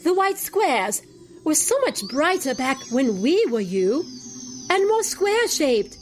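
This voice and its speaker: High, swooping, imperious old queen. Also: big pitch swings, slow pace, a little hiss or hum, full character voice. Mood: brooding, dismissive. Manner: regal royal we, dismissive, theatrical swoops. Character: imperious, scatterbrained old chess queen, weary and fussy. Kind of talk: audio drama acting.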